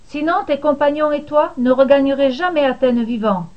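Woman voicing a menacing horned god, slow and commanding. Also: high-pitched, expressive. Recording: dull lo-fi recording.

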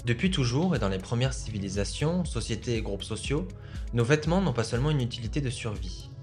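A young man hosting a podcast, reading a reflective scripted introduction and asking interview questions in a measured way. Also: medium pitch, expressive, darkish tone, soft background music. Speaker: podcast host.

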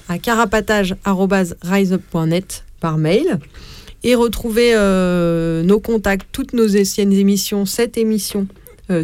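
A woman hosting a radio show, relaxed and speaking with fillers. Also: mid-range voice, no room sound. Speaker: radio host.

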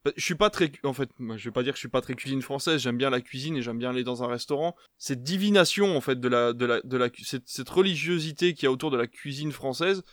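A man's voice: medium pitch, fast, few pauses, dry recording, clean studio sound. A young man from Belgium co-hosting a casual film podcast, talking with many fillers and restarts. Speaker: podcast co-host.

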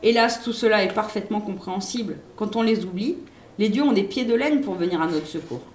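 A woman's voice: medium pitch, brisk, a little mellow, echoey room, slight background noise, natural voice. A woman voicing a fearful, superstitious older nurse who talks in a fussy, scolding way. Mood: grumbling.

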